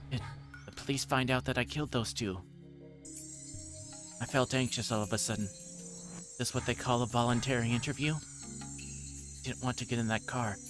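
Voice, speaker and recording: A man on a livestream reading a visual novel aloud and adding casual commentary. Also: mid-range voice. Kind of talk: livestream game read-along with casual commentary.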